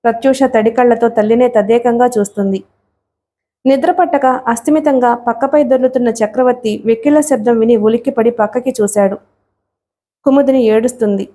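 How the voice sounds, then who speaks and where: A woman narrating a novel in a steady, measured storytelling voice. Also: fairly high pitch. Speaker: audiobook narrator.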